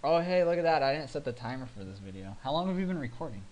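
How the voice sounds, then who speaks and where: A man's voice: mid-range voice, sing-song, racing, a little mellow. A man from the United States hosting a game let's play, joking and rambling. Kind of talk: casual gameplay commentary. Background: keyboard clicking.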